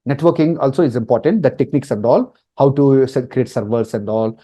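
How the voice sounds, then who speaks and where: A man's voice: medium pitch, fairly quick, dark tone. A man from India with a Telugu accent, a native Telugu speaker, teaching a webinar informally as an instructor, repeating points emphatically and checking in often. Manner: repetitive, emphatic, checks in with "okay" and "right".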